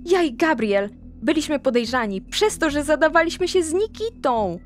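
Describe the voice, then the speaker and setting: A woman's voice: moderate pace, faint music behind. Confiding young woman recapping in character. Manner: gossipy, confiding, speaks straight to the listener; pitch leaps up when excited. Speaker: player recapping her character's story.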